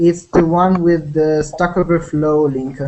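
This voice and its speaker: A woman with a non-native accent, fairly low in pitch, at a fairly slow pace. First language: not English. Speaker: app developer. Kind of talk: technical Q&A in video hangout. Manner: halting.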